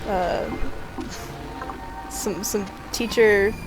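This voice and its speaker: A woman's voice: mid-range voice, fairly even intonation, extremely slow, poor audio. Wry woman chatting over game music. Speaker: co-commentator. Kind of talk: casual let's play chat. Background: video game music.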